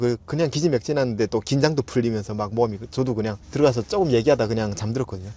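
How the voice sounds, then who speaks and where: The man's medium-pitched voice has a dark, mellow tone and ordinary pitch variation. He speaks at a very fast pace. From North Korea (Hyesan region). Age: 30s. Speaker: North Korean defector. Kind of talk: interview testimony.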